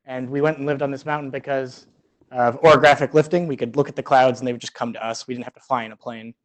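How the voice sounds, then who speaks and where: Male research scientist, mid-pitched voice, conversational seminar delivery, explanatory, thinking aloud. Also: steady tone, fast talker. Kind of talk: informal academic seminar presentation.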